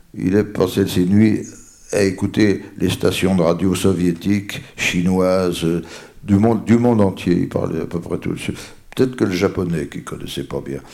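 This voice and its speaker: Speaking at a fairly slow pace, a man with a very deep, low pitch has a dark, mellow tone and ordinary pitch variation. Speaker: poet and author. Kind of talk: literary conversation. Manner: halting, many repetitions.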